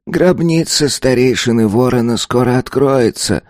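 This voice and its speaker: A man voicing a tiny golden ghost servant who calmly and persistently needles his master, speaking in a hushed, drawn-out sing-song. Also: medium pitch, dry recording, studio quality, pitched above the performer's own voice, close to an everyday voice. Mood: coaxing. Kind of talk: audiobook character voice.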